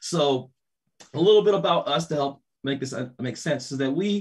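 A man talks with an American accent at a fairly quick pace. His intonation is lively. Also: quiet background. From California. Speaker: music teacher and arts director moderating. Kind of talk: moderated panel discussion. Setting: video call. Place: home room.

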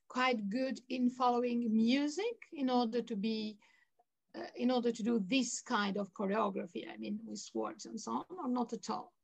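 With a quiet background, a woman speaks in a high-pitched voice. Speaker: interviewer, film lover. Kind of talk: interview Q&A. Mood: curious, polite. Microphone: video call.

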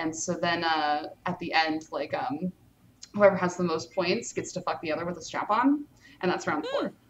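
A woman's plain, everyday voice, fairly low in pitch, at a moderate pace with ordinary pitch variation. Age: 20s. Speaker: model and adult performer. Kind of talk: casual chat.

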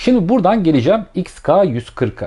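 Against a quiet background, a man with a dark, mellow tone speaks at a fairly slow pace, his pitch swinging very widely. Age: 30s. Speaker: YouTuber, die-cast model car collector; YouTuber. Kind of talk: video review. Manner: casual, conversational. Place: home room.

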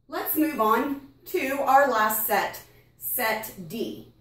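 A woman speaks in a high voice with lively intonation. Room echo is audible. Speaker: fitness instructor. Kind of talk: demonstration-style workout tutorial, talking viewers through each exercise. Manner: brisk and clear, rhythmic counting cues. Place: home room. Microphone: camera far.

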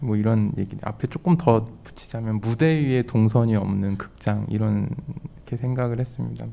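A voice with ordinary pitch variation, moving at a moderate pace. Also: man. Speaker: artist; panel artist. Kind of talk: panel talk. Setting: stage with audience. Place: hall. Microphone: podium.

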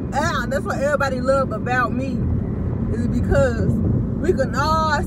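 Loud noise fills the background as a woman talks. There is no echo, and the sound is dry. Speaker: vlogger. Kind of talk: casual vlog chat. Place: car. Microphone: phone near.

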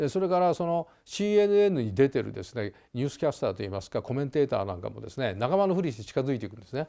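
A man with a dark, mellow tone talks at a very fast pace, with hardly any pauses, at a fairly high pitch. His pitch swings very widely and his loudness swings a lot, over a quiet background. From Japan. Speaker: political commentator. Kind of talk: lecture. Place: home room. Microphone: lapel.

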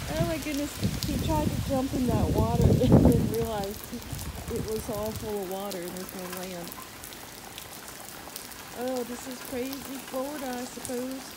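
The speaker keeps a moderate pace with long, frequent pauses over loud background noise. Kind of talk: casual vlog chat. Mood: worried, amused at times. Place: garden. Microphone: phone near.

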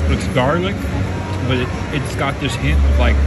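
There is music in the background. The talking proceeds at a moderate speed. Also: man. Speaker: food vlogger. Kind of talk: casual vlog chat. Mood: pleased, enthusiastic. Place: cafe. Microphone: phone near.

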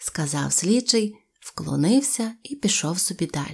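On a very clean recording with a silent background, a woman speaks at a very slow pace with lively intonation. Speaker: audiobook narrator. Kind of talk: audiobook reading aloud of a fairy tale. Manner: lively, expressive, shifting pace and tone for dialogue and suspense.

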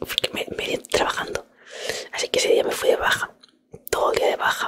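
A man whispering at a fairly quick pace in a relaxed tone. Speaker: ASMR streamer. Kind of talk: asmr ramble, whispered talk to the microphone. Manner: soft-spoken, relaxed, rambling. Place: home room. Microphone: studio mic.

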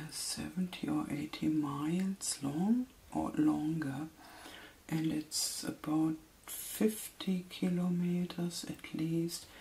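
The voice is soft-spoken and gentle in tone, moving at a very slow pace. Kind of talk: explanatory talk, tutorial-like. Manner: gentle soft-spoken ASMR talk.

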